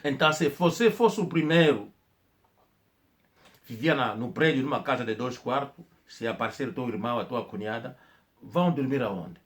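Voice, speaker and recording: A man with an Angolan Portuguese accent delivers an emphatic, repetitive monologue in a mid-pitched voice. He coughs now and then and restarts his sentences. He speaks as a channel host addressing his audience. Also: animated, normal speed. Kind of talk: spoken commentary monologue.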